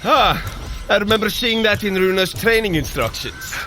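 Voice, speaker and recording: A man's voice: high voice, animated, moderate pace, pushed and bright, faint music behind. A man playing a bold, earnest thunder god warrior in an audio drama, with a hearty, grandiose, declamatory manner. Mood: puzzled, concerned. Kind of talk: audio drama acting for a fitness adventure.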